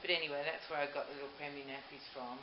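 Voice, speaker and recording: Talking very fast in a deep, steady voice, an older doll maker hosts her own video and rambles happily to camera. The recording was made at home and sounds muffled, roomy, and noisy.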